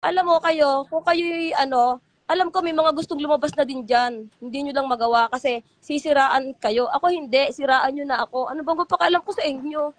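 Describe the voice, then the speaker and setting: Lady, middle-aged, high voice, rambling and heartfelt, dry close sound. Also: normal speed, dry recording. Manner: rambling, heartfelt, quotes others in their voices. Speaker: guest, former church member. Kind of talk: emotional call-in interview.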